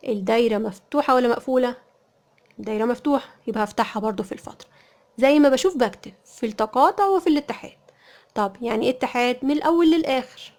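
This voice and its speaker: A woman's voice: high-pitched, darkish tone. A woman with an Egyptian Arabic accent teaching a math lesson, asking questions and answering them herself while she repeats the key points.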